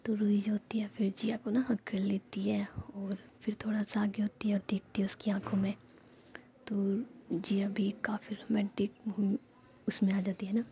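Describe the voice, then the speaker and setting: A woman narrating a romantic story in a steady, casual whisper. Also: medium pitch, moderate pace, gravelly. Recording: dull lo-fi recording.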